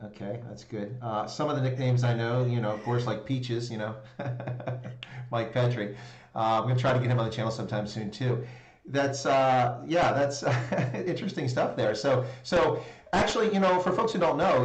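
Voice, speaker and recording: A male host in a casual interview chat who sounds relaxed and enthusiastic, using fillers, speaking over a video call. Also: mid-range voice. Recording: echoey room sound.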